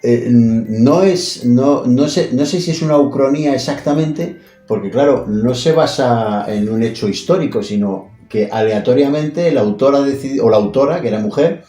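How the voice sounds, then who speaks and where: Dark-voiced man chatting about books. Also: medium pitch, moderate pace, hardly any pauses, echoey room, faint music behind. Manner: conversational, asks questions, thinks aloud. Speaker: host. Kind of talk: casual chat about books.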